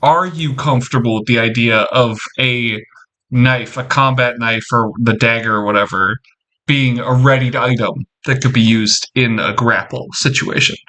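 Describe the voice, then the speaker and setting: A man playing in a tabletop game, excitable and swearing freely as he chats and laughs with the group. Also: medium pitch, moderate pace, rough recording. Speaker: player. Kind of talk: casual tabletop game chat.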